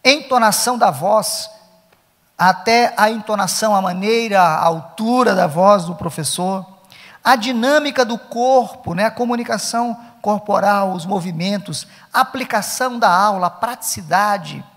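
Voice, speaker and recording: A man's voice: high voice, normal speed, a bit bright, long reverb tail. A middle-aged man with a Brazilian Portuguese accent, lecturing Sunday school teachers at a church conference, emphatic and repeating his key points.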